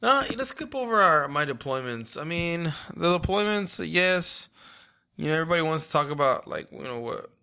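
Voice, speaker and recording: A man, an Army captain, talking in a casual podcast interview, relaxed and hesitant with many fillers and restarts. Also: a little high, moderate pace, vocal fry, clear, resonant tone.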